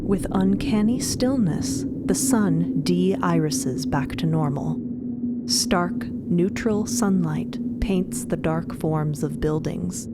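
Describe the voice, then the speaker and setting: A woman's voice: on the low side, takes it slowly, very noisy. A woman narrating an audio fiction story in a dramatic style. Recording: loud music behind.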